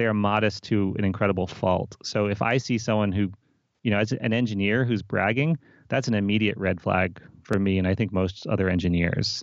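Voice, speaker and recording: Speaking at a fairly quick pace in an ordinary speaking voice, a man with an American accent keeps a fairly low pitch, fairly even intonation and very even loudness over a quiet background. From Vermont, US. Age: 30s. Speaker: author and programming teacher. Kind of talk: interview.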